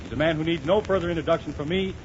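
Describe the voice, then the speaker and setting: A man hosting a 1930s radio comedy show, with brisk, wisecracking emcee patter. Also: fairly high pitch, highs cut off. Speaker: host. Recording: scratchy 1930s radio broadcast with hiss.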